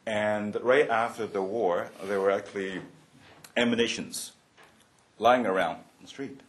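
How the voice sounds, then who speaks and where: A man's voice: on the low side, fairly even intonation. A man in his seventies from Hong Kong, sharing childhood memories at a roundtable, with many fillers and restarts and frequent chuckles. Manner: halting, many fillers and restarts, laughs often. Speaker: roundtable speaker. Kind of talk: personal reminiscence at a panel.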